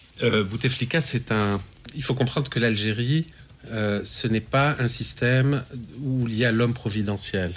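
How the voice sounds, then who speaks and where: Noticeable background noise behind a man at a moderate pace, medium in pitch with ordinary pitch variation. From Algeria. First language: French (speaking Italian). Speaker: novelist. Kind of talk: interview.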